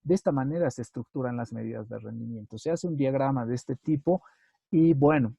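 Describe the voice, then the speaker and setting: A man's voice: medium pitch, a little fast, creaky, mellow, slightly rough, no room sound. A man giving a methodical university lecture, often checking with the students and correcting himself as he goes. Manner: methodical, repeats points and checks with tag questions; self-correcting, with hesitations. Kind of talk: recorded online lecture on queueing theory.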